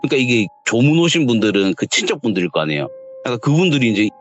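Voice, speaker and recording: A young man, casually telling a true ghost story in a quietly dramatic, conversational way. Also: mid-range voice, sing-song, racing. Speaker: guest storyteller. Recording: lo-fi audio with faint music.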